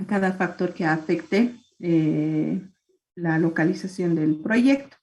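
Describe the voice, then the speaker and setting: Somewhat breathy and dark, mellow in tone, this woman's voice has lively intonation. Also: quiet background. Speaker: university lecturer. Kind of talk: lecture.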